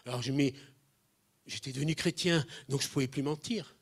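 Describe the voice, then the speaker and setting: A man's voice: medium pitch, brisk, breathy edge. A man, preaching to a congregation and telling funny stories, acting out the voices of people he quotes. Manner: animated, acts out quoted voices, jumps in loudness. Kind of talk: humorous sermon storytelling.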